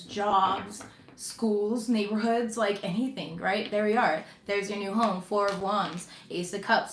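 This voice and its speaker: A woman's voice: medium pitch, reverberant, a little hiss or hum. A woman reading tarot cards to her viewers in a chatty, reassuring way, with frequent fillers and check-ins. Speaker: tarot reader.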